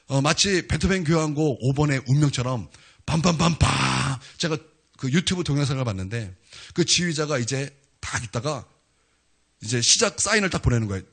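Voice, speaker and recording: A man's voice: mid-range voice, expressive, moderate pace, gravelly, a bit bright, breathy edge. A man preaching a sermon as a pastor. He tells stories casually and with humor, using many fillers, and builds to emphatic declarations.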